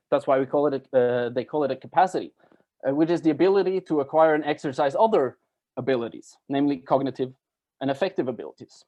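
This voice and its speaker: Mellow-voiced man giving a lecture. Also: medium pitch. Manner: explanatory, halting with self-corrections. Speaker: academic presenter. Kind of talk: academic lecture at a workshop.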